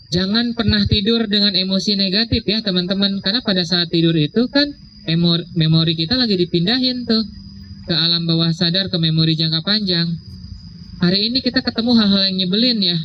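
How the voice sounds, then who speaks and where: A young man giving a casual religious talk, slowing down to stress key words and checking in with "ya". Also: sits high. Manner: conversational, drawn-out emphasis, frequent "ya". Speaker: religious speaker. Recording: dull lo-fi sound with faint noise.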